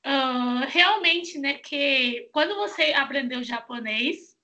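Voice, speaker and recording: A young woman hosts a relaxed video-call interview from a small home room, talking through a headset. Her voice sits high and sounds bright and clear. She chats freely, laughing often and filling pauses with little words. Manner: chatty, laughs often, many fillers. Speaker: Chinese teacher and host.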